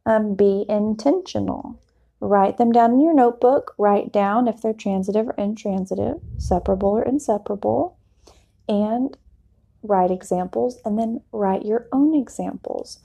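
A woman speaks in a patient teacher voice with a soft-edged, mellow tone and noticeable vocal fry. Her pitch sits in a middle range as she explains language points in simple, reassuring terms, like an unscripted podcast lesson. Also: normal speed. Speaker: podcast host and English teacher.

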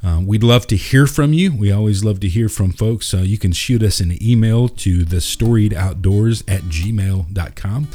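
A man narrating as a podcast host and storyteller, with an earnest, unhurried delivery. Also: fairly low pitch, dark tone. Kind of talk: scripted story narration and informal podcast sign-off.

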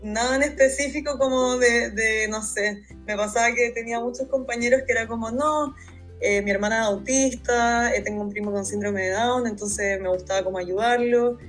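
A woman's voice: fairly high pitch, fairly even intonation, moderate pace, soft background music. A woman in her twenties with a Chilean accent, talking casually about herself as a guest on a podcast. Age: 20s. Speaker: podcast guest, speech therapist. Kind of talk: casual personal storytelling in an interview.

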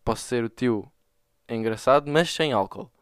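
A young man with a European Portuguese accent, talking casually and jokingly on his own podcast, full of slang and excited storytelling. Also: mid-range voice, moderate pace, clear, resonant tone, no room sound, clean studio sound. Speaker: podcast host. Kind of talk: casual solo podcast monologue.

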